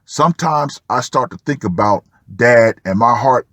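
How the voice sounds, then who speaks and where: A man narrates a written personal account at a very slow pace. His delivery is dramatic and drawn out, with pauses between phrases. The sound is dry, with no room around the voice. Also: medium pitch, expressive, fairly bright tone, dry recording. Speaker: host of a commentary channel. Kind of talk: reading a personal post aloud with asides.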